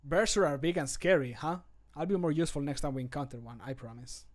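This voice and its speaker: A man's voice: on the high side, fast talker, natural voice. A man voicing an earnest, wry and reassuring companion in a fantasy game, recorded close to a home microphone. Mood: reassuring, apologetic. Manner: earnest, punning, apologetic.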